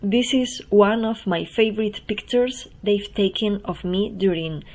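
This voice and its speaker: Her pitch is medium and her pace measured as this Spanish-accented woman, a non-native English speaker from Spain, introduces her podcast by reading her newsletter aloud. The podcast host and newsletter writer is gentle, talkative and self-mocking, laughing at herself in a relaxed, spoken way.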